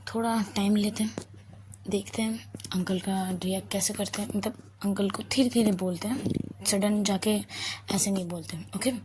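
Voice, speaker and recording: A woman voicing a tender, devoted young woman in love, speaking in a soft, hushed murmur. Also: mid-range voice, steady tone, moderate pace, background noise, natural voice. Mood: gentle.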